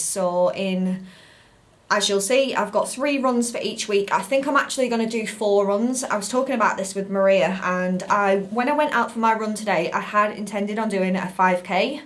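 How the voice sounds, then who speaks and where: British woman, casual vlog chat. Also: medium pitch. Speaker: fitness vlogger. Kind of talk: casual talk to camera.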